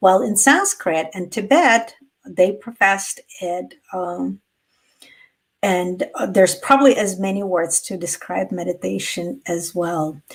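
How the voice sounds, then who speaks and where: Vocal fry at a fairly slow pace, with ordinary pitch variation. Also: woman, medium pitch for a woman. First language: Ukrainian/Russian. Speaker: meditation teacher. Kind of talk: lecture. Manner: halting, many fillers.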